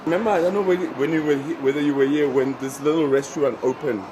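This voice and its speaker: A man's voice: a little high, steady tone, quick pace, background noise. A man chatting casually and reminiscing.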